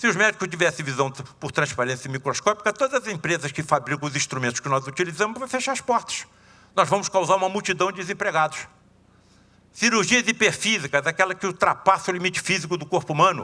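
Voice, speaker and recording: A man's high, bright and sharp voice, very fast, with lively intonation. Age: 70s. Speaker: spiritist lecturer and surgeon. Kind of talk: lecture. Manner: animated.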